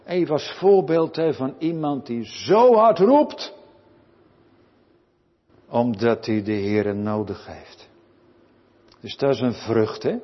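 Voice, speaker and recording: A man preaching a sermon, earnestly questioning his listeners and rising from quiet to loud pleading. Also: medium pitch, lively intonation, takes it slowly, pauses often. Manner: addresses listeners with direct questions. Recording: lo-fi recording with long church reverb.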